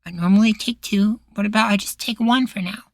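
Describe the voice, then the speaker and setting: A woman's voice: medium pitch, brisk, no echo, clean studio sound, lightly acted. A woman playing a meek, sweet young boywife in a futuristic ASMR roleplay, hesitant and full of trailing questions. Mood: reluctant. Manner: hesitant, soft-spoken pleading, trailing questions.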